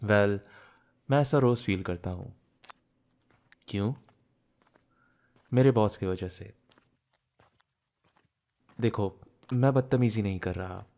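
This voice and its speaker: अभिनेता की आवाज़ में धीमा बोलता, नाराज़ नौकरीपेशा आदमी. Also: male voice, on the low side, slow pace, pauses often, a little mellow. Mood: fed up. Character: disgruntled working man fed up with his boss. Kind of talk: audio romance drama monologue.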